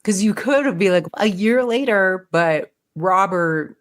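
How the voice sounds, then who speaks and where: A woman's voice: mid-range voice, expressive, unhurried. A woman co-hosting a film podcast, chatting in an easygoing, agreeable way about a movie. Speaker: podcast co-host. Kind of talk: casual film commentary chat.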